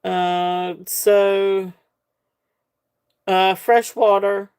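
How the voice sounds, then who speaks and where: A middle-aged woman with a relaxed Southern drawl runs a live jewelry auction. She talks slowly and casually, filling pauses with ums and little laughs as she describes each piece. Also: mid-range voice, clean tone. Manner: chatty, folksy, with frequent ums and soft laughs. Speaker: live jewelry sale host. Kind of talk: casual live-stream selling.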